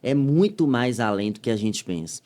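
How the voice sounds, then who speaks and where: A man with a Minas Gerais accent recounts his experiences on a podcast. His voice rises and falls, loud in one moment and hushed the next, carried on a pitch of middling height. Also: moderate pace. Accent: Minas Gerais Portuguese. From Minas Gerais, Brazil. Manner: animated storytelling, swings from loud to soft. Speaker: missionary guest. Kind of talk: podcast testimony.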